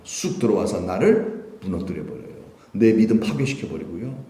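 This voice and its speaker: A male pastor preaching a Sunday sermon, animated and full of rhetorical questions to the congregation. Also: lowish voice, normal speed. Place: church sanctuary. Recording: roomy church echo.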